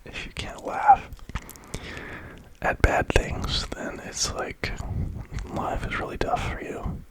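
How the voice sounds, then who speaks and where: A person speaking in a breathy ASMR whisper, rambling casually and reflectively with a hesitant manner. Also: takes it slowly, poor audio. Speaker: ASMR creator.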